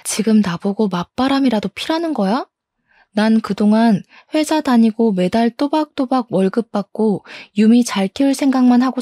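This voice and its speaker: A woman's voice: a little high, no echo, studio quality, lightly acted. A woman playing a betrayed, indignant wife. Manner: indignant, bitter, sharp retorts. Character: betrayed, furious wife in her thirties. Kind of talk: audio story dramatization.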